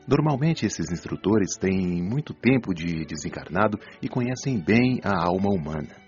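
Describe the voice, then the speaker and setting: A man acting instructive male spirit guide, very low voice, measured delivery, radio drama, muffled sound over music. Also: expressive, a little mellow. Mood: calm, instructive. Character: Frederico, male spirit friend who explains and guides. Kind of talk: audiobook radio drama dialogue.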